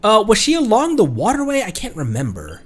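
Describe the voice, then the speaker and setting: A man's voice: high-pitched, huge pitch swings, fairly quick, a bit bright, breathy edge. A man chatting casually on a game livestream, playfully thinking aloud as he goes. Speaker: streamer.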